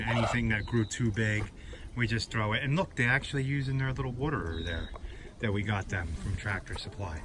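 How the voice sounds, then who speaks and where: A man chatting casually and informally in a folksy way, giving a vlog tour outdoors in a breezy garden. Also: on the low side. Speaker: vlogger showing his vegetable garden. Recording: noisy outdoor recording, breezy ambience.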